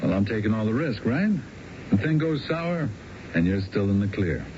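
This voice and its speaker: An actor in a 1970s radio drama playing a cocky, smooth-talking thief, slangy and streetwise. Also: male voice, lowish voice, big pitch swings, moderate pace. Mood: brisk, businesslike. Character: cocky, smooth-talking small-time male thief and hustler. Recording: dull, noisy old radio broadcast.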